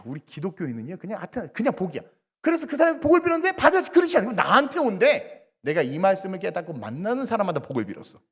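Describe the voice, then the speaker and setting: A man preaching a sermon, acting out little dialogues and swinging between loud bursts and quiet asides. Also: high-pitched. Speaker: guest preacher at a revival service. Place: church sanctuary. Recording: long church reverb.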